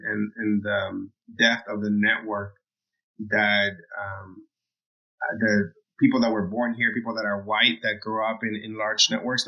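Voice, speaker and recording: A man's voice: on the low side, highs cut off. A man hosting a podcast conversation, often repeating words and restarting as he talks. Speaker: podcast host.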